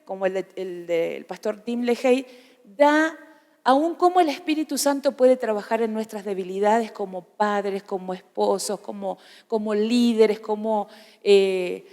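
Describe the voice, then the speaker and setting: Woman church teacher, fifties, higher voice, chatty and humorous, recorded with long hall reverb. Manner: warm, humorous, conversational, with frequent restarts. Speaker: pastor's wife teaching a parenting class.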